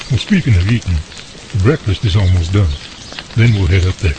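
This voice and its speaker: A man playing a calm, friendly field researcher in an audio drama. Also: deep voice, a little slow, noisy background. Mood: calm, amused.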